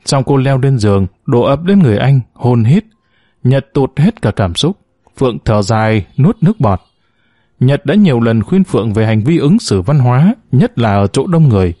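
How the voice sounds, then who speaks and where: Male story narrator, expressive reading voice with a lively, wide-moving pitch and a mellow, warm tone. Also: normal speed, dry recording, clean studio sound. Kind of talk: scripted narration of a short story.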